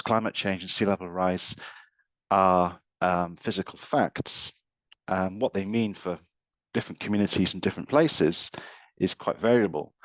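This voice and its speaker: A university lecturer, a man, presenting his research over a video call, a bit hoarse from being unwell and repeating words as he thinks. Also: sits low, fairly bright tone, no room sound, rough recording. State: slightly hoarse from illness. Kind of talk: academic presentation.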